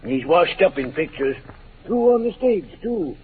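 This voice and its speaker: Lively, folksy old stage doorman. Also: fairly high pitch, unhurried. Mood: wry, friendly. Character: folksy, wry older stage doorman, former actor. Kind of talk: 1940s radio acting. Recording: muffled, noisy old radio recording.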